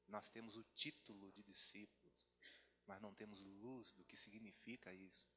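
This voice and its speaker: A man's voice: fairly low pitch, fairly even intonation, normal speed, pushed and bright, a little hiss or hum. A man with a Brazilian Portuguese accent preaching a sermon at a church retreat, mixing chatty asides with scripture read aloud. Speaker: pastor. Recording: long hall reverb.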